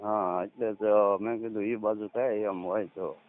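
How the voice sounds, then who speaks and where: A man in his thirties with a Saurashtra Gujarati accent, talking casually as a caller in halting, repeated short phrases. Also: lowish voice, steady tone, dry recording. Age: 30s. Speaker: caller, farmer. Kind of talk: casual phone conversation. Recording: tinny, narrowband phone call recording.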